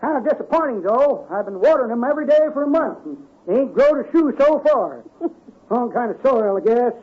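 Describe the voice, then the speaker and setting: A man's voice: animated, a little fast, breathy edge, exaggerated voice. An actor playing a folksy, rambling old man who spins tall tales and calls everyone kids, in a vintage radio comedy. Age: older. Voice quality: high cracked old-timer voice, drawling. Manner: chuckling yarn-spinner, calls everyone kids. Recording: muffled vintage radio recording.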